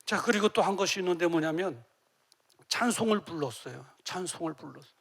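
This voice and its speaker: A middle-aged man preaching a sermon as pastor, emotional, dropping to near-whispers and rising to loud cries as he acts out tearful prayers. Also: sits high, animated, fairly quick, vocal fry. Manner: emotional, swings from soft to loud.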